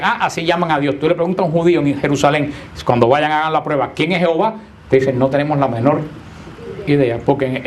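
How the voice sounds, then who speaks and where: Man teaching a lively Bible class. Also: on the high side, a little hiss or hum. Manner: conversational, asks the class questions, playful teasing.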